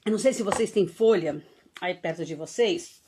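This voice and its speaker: A Brazilian early childhood educator gives a live online talk in a fairly low voice at a moderate pace, over a noisy background. She's chatty and full of tag questions, and grows animated as she leads the audience in games.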